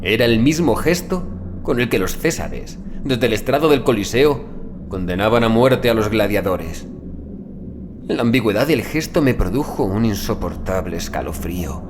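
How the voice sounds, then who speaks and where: A man narrating a scripted first-person horror story in a measured, deliberate literary manner. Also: fairly low pitch, animated, noisy background. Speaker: audiobook narrator.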